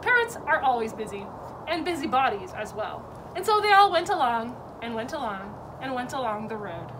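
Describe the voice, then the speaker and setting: High, animated woman reading a storybook. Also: normal speed. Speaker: zoo educator reading a story. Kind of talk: children's storybook read-aloud. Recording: distant mic with clear background noise.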